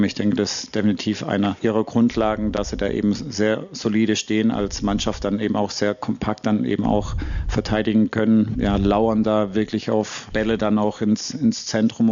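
Flat-voiced man explaining football tactics. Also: on the low side. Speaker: football coach. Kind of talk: interview soundbite. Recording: dull audio with faint noise.

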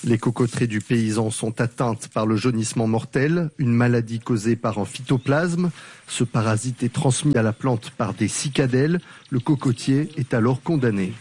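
A man reporter reading a scripted radio news feature in a steady, deliberate way. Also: medium pitch, slightly rough.

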